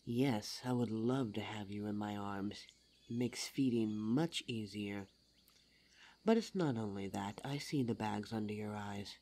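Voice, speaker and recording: A performer voicing a suave, teasing demon lover in an intimate ASMR roleplay audio drama, smooth-talking and formal in address. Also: mid-range voice, measured pace, darkish tone, lightly acted. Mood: teasing, smug.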